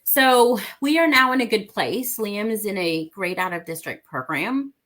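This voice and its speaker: A woman's voice: medium pitch, expressive, moderate pace, a bit bright. A woman from Mexico, a parent of an autistic son, talking earnestly as a guest in a casual interview and repeating her key points for emphasis.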